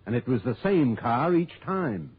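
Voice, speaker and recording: A man's voice: medium pitch, sing-song, unhurried, husky, full character voice. An actor playing an opinionated, folksy male client who insists on his suspicions, in 1960s radio drama style. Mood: insistent. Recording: tinny old radio broadcast.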